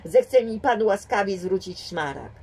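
A woman voicing a gruff middle-aged man posing as a police inspector, with a curt, dry, officious manner. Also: mid-range voice, expressive, unhurried, warm tone, a little hiss or hum. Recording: distant home mic.

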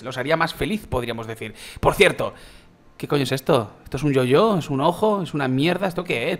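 A young man with a Spain Spanish accent doing excitable gameplay commentary, swearing and exclaiming loudly. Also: medium pitch. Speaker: gaming youtuber.

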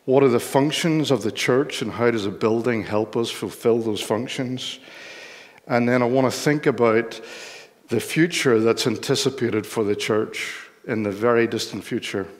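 An older man with a Northern Irish accent preaching a sermon in a measured, explanatory way from a church stage. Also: medium pitch. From Northern Ireland. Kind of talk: sermon with Bible reading. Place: church hall, speaking from lectern on stage. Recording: long hall reverb.

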